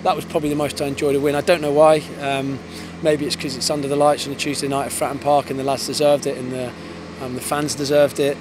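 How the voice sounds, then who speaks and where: A man in his thirties, an English football head coach, giving a post-match interview outdoors on a floodlit pitch at night, fast and thoughtful with many restarts. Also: level tone. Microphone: handheld interviewer mic. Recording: outdoor with clear background noise.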